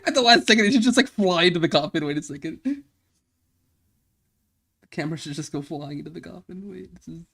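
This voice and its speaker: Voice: medium pitch, a little fast, creaky, pauses often. An animator and stream host chatting casually while working, giggling often and breaking off mid-sentence. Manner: giggly, self-interrupting, swinging between loud and quiet.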